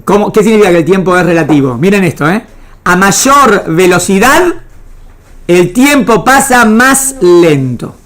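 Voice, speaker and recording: A woman's voice: medium pitch, lively intonation, measured pace. A woman with an Argentine Spanish accent teaching a small class, repeating phrases and often asking if it is understood. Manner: didactic, checking understanding with frequent questions. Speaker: religion teacher. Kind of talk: interactive lecture to a small class.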